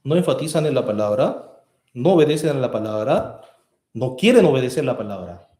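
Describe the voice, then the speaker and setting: A man preaching a sermon as pastor, earnest and rising to forceful emphasis. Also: mid-range voice, very animated, moderate pace, roomy sound. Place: church hall.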